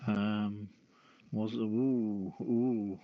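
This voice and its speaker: Man, casual podcast host, unhurried, lower-pitched, dull lo-fi sound. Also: fairly even intonation. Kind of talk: casual chat. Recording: dull, lo-fi online audio.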